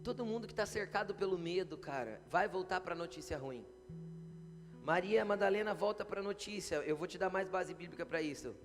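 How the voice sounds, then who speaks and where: A man's voice: sits high, a little fast. A man preaching a sermon, putting frequent rhetorical questions to the congregation. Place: church hall. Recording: long church hall reverb, faint guitar.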